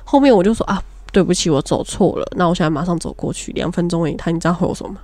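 A woman's voice: fairly low pitch, rapid-fire, dry recording. Young woman telling a frank story. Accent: Taiwanese Mandarin. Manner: animated storytelling, frank and laughing. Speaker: podcast co-host. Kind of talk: casual chat.

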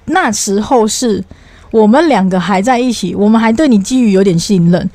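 A young woman, co-hosting a podcast and telling stories in an animated, exasperated way, with some swearing. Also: mid-range voice, moderate pace, no room sound. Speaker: podcast co-host. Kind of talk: casual storytelling chat.

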